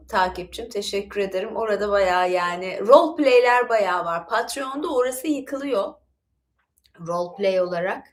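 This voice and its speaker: A woman hosting a casual livestream, chatting in a rambling way with lots of fillers and asides. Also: medium pitch. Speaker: livestream host. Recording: echoey room.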